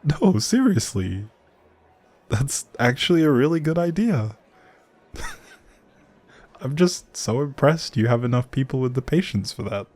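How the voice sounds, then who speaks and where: A man's voice: medium pitch, sing-song, unhurried, pauses often, darkish tone, dry recording. A man playing a grumpy but secretly sweet young barista in an intimate audio roleplay, speaking straight to the listener in a teasing, wry, bookish way. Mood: amused, impressed. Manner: teasing, wry, hesitant asides.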